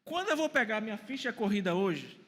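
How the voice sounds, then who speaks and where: A man in his forties preaching in a church. His high, lively voice leaps up and down as he poses questions to the congregation and answers them. A long reverb trails after his words. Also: fairly quick. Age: 40s. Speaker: pastor. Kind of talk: sermon. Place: church hall.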